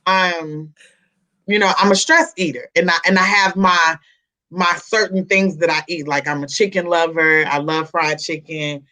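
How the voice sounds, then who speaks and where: Forty-something woman talk host, bright tone, chatty, laughs easily. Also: on the low side, normal speed. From Chicago. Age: 40s. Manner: lively, laughs often, repeats herself. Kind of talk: casual interview chat.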